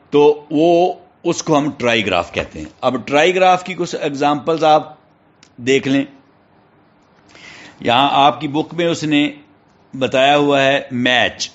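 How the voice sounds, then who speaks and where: Male teacher, Pakistani accent, spells words slowly, muffled lo-fi recording. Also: fairly high pitch, a bit bright. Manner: spells words letter by letter, checks in with "theek hai". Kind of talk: classroom lecture. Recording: dull lo-fi recording.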